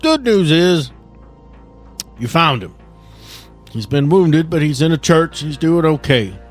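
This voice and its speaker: A man voicing a gentle old blind country priest with courteous, folksy rural talk. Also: on the high side, very animated, slow, faint music behind, exaggerated voice. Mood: folksy, calm.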